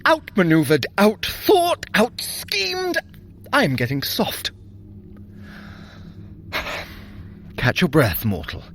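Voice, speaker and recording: Audio drama trickster god: sly, vain, sardonic, highish voice that swings widely, some ambience behind. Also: male voice, wildly swooping pitch, very slow, long pauses, fairly bright tone, slight background noise, full character voice. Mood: frustrated, bitter, then grimly resolved. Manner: theatrical, sardonic, exasperated. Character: sly, vain trickster god, sharp-tongued, fretful brother. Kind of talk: audio drama acting, addressing the listener.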